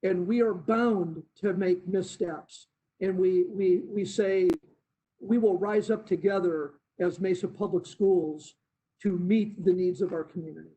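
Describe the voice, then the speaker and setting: Earnest high-voiced man at a board meeting. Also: a little slow, warm tone, poor audio. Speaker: school board member. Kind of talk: formal remarks at a board meeting.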